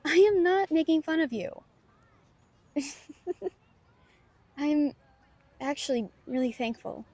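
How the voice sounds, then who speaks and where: A woman's voice: sits high, lively intonation, takes it slowly, long pauses, a little mellow, no room sound. A woman playing a playful, self-doubting young novelist, chatty and teasing, in an intimate audio roleplay addressed to a friend. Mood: playful, grateful.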